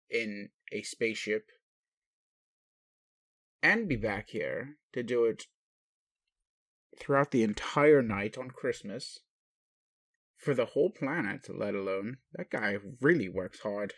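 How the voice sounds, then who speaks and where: A man playing a gentle, puzzled alien daddy in an intimate roleplay audio, indulgent and bemused, with questioning hesitations. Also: lowish voice, lively intonation, slow pace, pauses often, no echo, full character voice. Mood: incredulous, musing. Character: gentle, puzzled alien daddy, adult male spaceship commander. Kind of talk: intimate roleplay audio, speaking to one listener.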